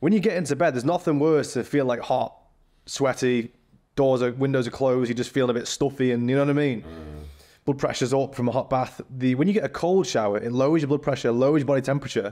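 This speaker has a British accent and talks at a very fast pace. Pitch varies in an ordinary way, and loudness stays very even. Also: man, medium pitch for a man. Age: 30s. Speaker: boxer and businessman. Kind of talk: casual interview. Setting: studio.

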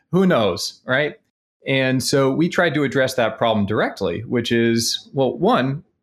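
A man with a normal speaking voice and an American accent speaks at a moderate pace with lively intonation, in a very clean recording with a silent background. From US West Coast (San Francisco Bay Area). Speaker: startup founder and CEO. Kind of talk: casual interview.

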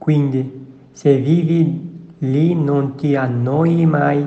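Speaking with a Central Asian accent, a man uses a fairly high pitch and fairly even intonation. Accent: Central Asian-accented Italian. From Uzbekistan. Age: 20s. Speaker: graduate student. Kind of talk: casual chat.

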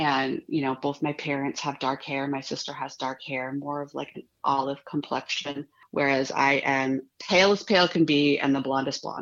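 Her voice very deep and low, a woman speaks at a moderate pace. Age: 40s. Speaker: adoptee and artist. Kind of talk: casual interview chat.

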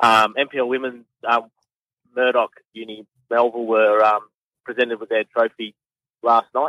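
A man talks at a moderate pace in a flat monotone, with long, frequent pauses and big swings in loudness. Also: medium pitch for a man. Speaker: football association official. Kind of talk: radio interview. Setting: phone call. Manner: halting, repeats words.

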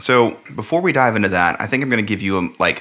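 Here is a man with an ordinary speaking voice. He talks at a moderate pace. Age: 20s. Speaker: marketer and podcast host. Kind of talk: casual interview.

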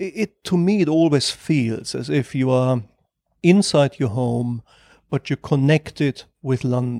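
Speaking at a fairly slow pace with a German accent, a man has a dark, mellow tone in a dry, close sound with no echo, on a very clean recording with a silent background. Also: medium pitch for a man, ordinary pitch variation. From Germany. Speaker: author. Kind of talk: casual interview. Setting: in-person in a London apartment.

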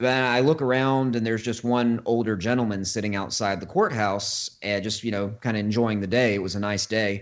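A man with an Alabama accent speaks at a fairly quick pace, with hardly any pauses. His pitch is medium and his intonation fairly even. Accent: Southern US (Alabama). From Alabama, US South. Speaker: author and comic publisher. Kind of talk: casual chat. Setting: phone call.

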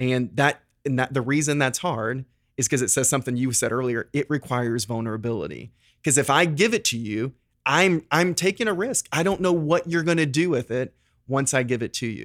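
With lively intonation and a medium pitch, a man talks at a fairly quick pace in a dry, close recording that is very clean, with a silent background and no echo. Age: 40s. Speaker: executive coach and author. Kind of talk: interview. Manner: talkative.

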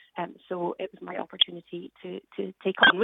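This is a woman speaking. She has a Scottish accent. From Scotland, Aberdeen (North East). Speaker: art historian and exhibition curator. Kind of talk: interview. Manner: hesitant, many fillers.

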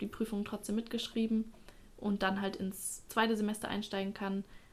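A woman with a normal speaking voice, medium pitch and a moderate pace. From Freiburg, southwest Germany. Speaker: dancer and podcast co-host. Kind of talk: casual chat.

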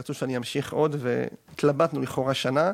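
A man's plain, everyday voice, fairly high in pitch with fairly even intonation, in a very clean recording with a silent background. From central Israel (Kochav Yair). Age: 40s. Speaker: religious school principal, rabbi. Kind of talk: podcast interview.

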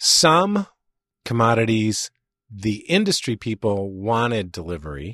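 Speaking fairly slowly with lively intonation, a man with a Chicago accent is recorded dry and close with no echo, on a very clean recording with a silent background. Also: medium pitch for a man. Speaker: podcast host, former floor trader. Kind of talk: interview.

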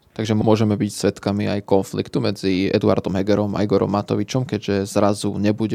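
The speech runs at a fairly quick pace with fairly even intonation and noticeable background noise. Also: man. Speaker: podcast host. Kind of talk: interview.

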